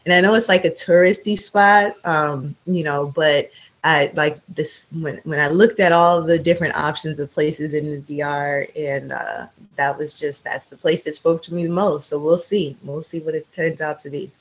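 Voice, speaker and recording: A woman guest on a podcast, chatty and relaxed, with many fillers and restarts. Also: low voice, moderate pace. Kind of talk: casual interview chat. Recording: slightly dull audio.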